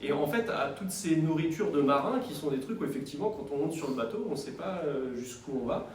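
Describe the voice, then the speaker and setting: A man's voice: a little high, animated, brisk. A man in the audience asking a question at a conference, hesitant and full of fillers. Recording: very echoey hall, distant mic, faint noise.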